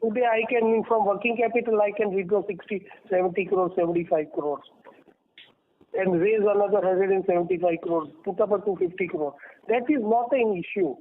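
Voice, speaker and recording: High-voiced Indian executive on a phone line. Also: male voice, brisk. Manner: emphatic, repeats himself for stress. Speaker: company executive. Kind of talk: unscripted answers on an earnings call. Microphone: telephone. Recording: muffled narrowband phone conference line.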